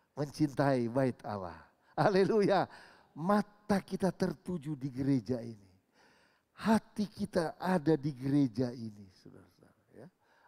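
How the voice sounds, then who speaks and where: A dark, mellow tone at a fairly slow pace, with very wide pitch swings and big swings in loudness, in a dry, close sound with no echo. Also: man, fairly high pitch for a man. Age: 70s. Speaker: pastor. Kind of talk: sermon. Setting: church. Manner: animated.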